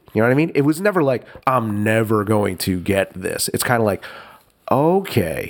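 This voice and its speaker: This man's voice sits at a medium pitch and swings very widely up and down. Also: moderate pace. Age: 30s. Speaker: podcast host. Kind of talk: casual interview chat.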